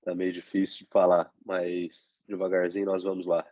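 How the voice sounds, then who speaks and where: A young man with a Brazilian Portuguese accent, stuffy-nosed from a cold, teaching an online review lesson slowly with many fillers. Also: sits low, monotone, darkish tone, no room sound. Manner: slow, halting explanation with frequent "né?" fillers. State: congested, stuffy nose from a cold. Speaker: teaching assistant. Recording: dull, lo-fi dry computer recording.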